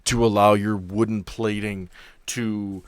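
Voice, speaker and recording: A man's voice: on the low side, level tone, unhurried, clean tone, no echo. A man acting as game master, casually improvising narration and rulings for a tabletop role-playing game. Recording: music playing behind the voice.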